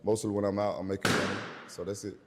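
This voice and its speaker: A man's voice: on the low side, level tone, rapid-fire. A man in his thirties from rural Georgia with a Southern African American English accent, chatting casually in a laid-back country way. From rural Georgia, USA. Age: 30s. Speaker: dating show contestant. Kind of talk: casual unscripted chat. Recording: echoey, noisy event hall.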